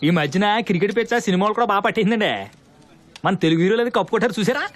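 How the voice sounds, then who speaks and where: An actor playing a nosy, grumbling wedding relative in a Telugu film comedy, chatty and needling. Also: male voice, high voice, very fast.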